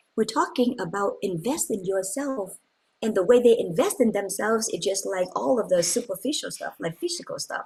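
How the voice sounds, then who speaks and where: Speaking at a moderate pace, a woman with a Vietnamese accent uses a fairly high pitch and very wide pitch swings. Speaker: coach and speaker. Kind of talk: interview. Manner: halting.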